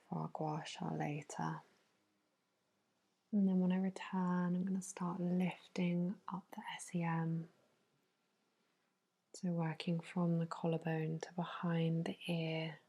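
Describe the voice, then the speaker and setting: A woman whispering a soothing, unhurried ASMR massage narration in a hushed, breathy bedtime voice. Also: sits low. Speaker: facial massage therapist.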